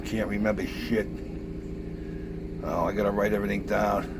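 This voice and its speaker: A man with an American accent talks at a moderate pace in a fairly low pitch. There is noticeable background noise. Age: 50s. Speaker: model-building hobbyist vlogger. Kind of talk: casual vlog monologue. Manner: halting, many fillers and restarts.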